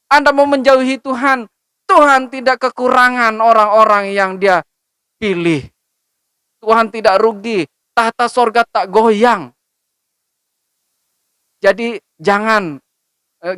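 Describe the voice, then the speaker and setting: Young woman preaching to the youth group, straight-talking and warning, dry close sound, crisp voice. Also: a little high, sharp tone, no echo. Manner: direct, admonishing, personal testimony. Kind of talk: sermon.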